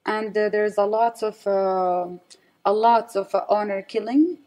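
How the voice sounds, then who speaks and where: A woman with an Arabic accent and a medium-pitched voice speaks as a guest in an interview. Her English is non-native and halting, and she often searches for words while giving personal testimony. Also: fairly even intonation, mellow. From West Bank, raised in Saudi Arabia.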